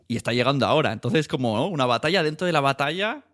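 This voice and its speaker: A man with a Spain Spanish accent hosting a casual podcast chat, thinking aloud in halting, self-correcting phrases. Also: medium pitch, animated, a bit bright. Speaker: podcast host. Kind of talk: casual conversational interview.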